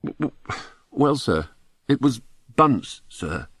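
A man's voice: fairly high pitch, wildly swooping pitch, a little slow, fairly bright tone, no room sound, studio quality, pitched above the performer's own voice, heavily acted. A man voicing a nervous, evasive, polite schoolboy with an English accent, hesitant and deferential, in an audiobook. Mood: reluctant, cowed.

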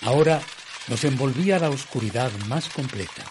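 An actor playing a reflective gentleman who narrates his own eerie tale in a radio drama, in a measured, literary manner. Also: medium pitch, background noise, lightly acted. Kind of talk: scripted first-person radio drama narration.

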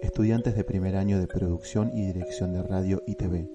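A man's voice: low voice, fairly even intonation, brisk. A man reading scripted radio credits as the announcer. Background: prominent music.

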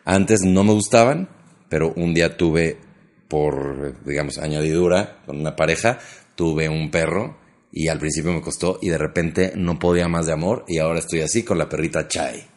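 A man's voice: very deep voice, normal speed, a little mellow. A young Mexican man co-hosting a comedy podcast, teasing and laughing often in casual chat. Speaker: podcast co-host.

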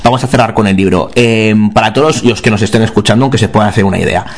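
A man from Spain interviewing a guest, chatting casually and agreeing often with quick repeated yeses. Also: fairly low pitch, slight background noise. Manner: rapid, with many repeated "sí, sí".

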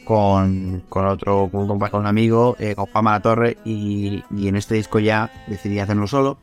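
A man's voice: lowish voice, level tone, moderate pace, faint music behind. A man from Spain, a musician, speaking reflectively in an interview and often repeating words as he searches for them. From Albacete, Spain. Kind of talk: interview answers.

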